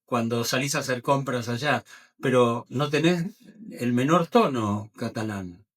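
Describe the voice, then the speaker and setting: A man's voice: medium pitch, a little slow. A man with an Argentine accent interviewing an author at a book presentation, asking short, casual questions. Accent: Argentine Spanish.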